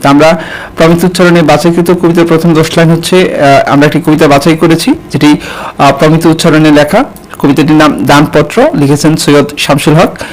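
Man, slightly high voice, tutorial teacher, hesitant fillers, close mic. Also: fairly even intonation, a little fast, low-quality recording. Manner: addresses students directly, frequent hesitations. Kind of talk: online exam-prep tutorial.

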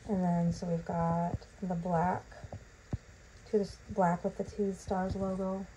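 Woman vlogger, lower warm voice, rambling casual unboxing talk in a small home bathroom. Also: completely flat delivery, a little slow, a little hiss or hum, poor audio. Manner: chatty, rambling with many ums. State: recovering from lost voice.

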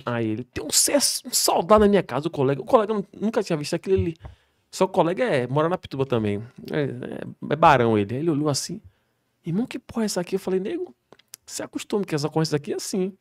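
A man, a military police soldier, telling slangy, animated stories on a podcast. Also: a little high, rapid-fire. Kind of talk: podcast storytelling.

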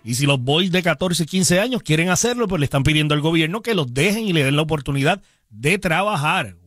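A man with a fairly high voice presents on the radio. He stretches key words for emphasis and talks in casual slang, with music playing clearly behind him. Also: animated, brisk, a bit bright, dry recording. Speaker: radio DJ and host. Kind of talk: upbeat Spanish-language radio presenting. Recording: broadcast radio with music under the voice.

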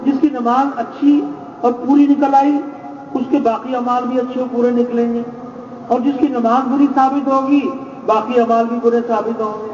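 A man preaching a sermon, measured and exhorting, repeating key phrases. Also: extremely high pitch, little pitch movement, darkish tone. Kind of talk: religious sermon. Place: large gathering space. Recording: echoey, distant, dull lo-fi with faint noise.

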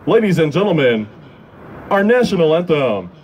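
Working a sports game as PA announcer, a man in his 20s holds a handheld mic close and delivers formal, scripted introductions, measured and with drawn-out names. His voice sits high for a man and moves in a very animated way, with crowd and background noise clearly audible.

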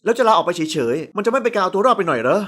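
A woman voicing a calm young male company head who speaks flatly. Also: mid-range voice, fairly quick, natural voice. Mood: cool. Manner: flat, even delivery.

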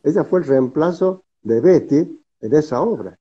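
A man's voice: fairly high pitch, expressive, normal speed, dark tone, breathy edge. A man in his seventies with a Cordoba Argentine Spanish accent, telling stories casually as an interview guest on a video call. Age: 70s. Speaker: interview guest, theatre director. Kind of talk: casual storytelling conversation. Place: indoor room, video call. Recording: slightly muffled video-call audio.

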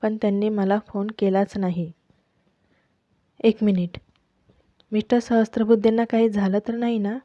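A woman's voice: medium pitch, level tone, moderate pace, pauses often, warm tone, no echo, close to an everyday voice. A woman voicing a young pregnant wife who presses everyone with pleading, insistent questions about her missing husband. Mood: suspicious. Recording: dull lo-fi, dry close mic.

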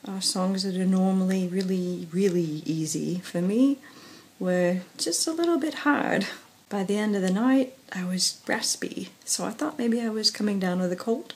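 A young woman, a professional singer with a weak, breathy voice from vocal cord palsy, talking haltingly into her phone camera with many pauses and fillers. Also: medium pitch. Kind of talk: casual personal vlog. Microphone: phone camera at arm's length.

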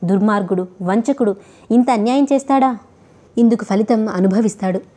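A woman's voice: medium pitch, a little fast, dark tone, natural voice. A woman voicing a heartbroken, deceived young bride who speaks in a bitter, accusing way. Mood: furious.

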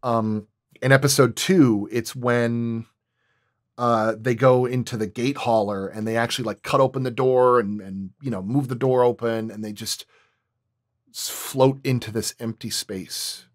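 A man's voice: mid-range voice, fairly even intonation, measured pace. A man who works as a sound designer, talking casually and in technical detail at a roundtable.

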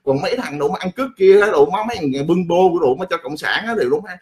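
Fast-talking blunt man. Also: on the high side, animated, a crowd in the background. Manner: blunt, profane, rambling. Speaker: political commentator. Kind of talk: casual political rant.

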